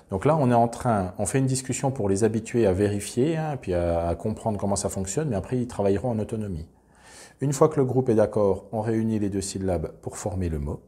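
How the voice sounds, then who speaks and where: A man calmly explaining, step by step, how a classroom reading and spelling activity works. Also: lowish voice. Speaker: teacher explaining a reading method. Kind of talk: instructional demonstration.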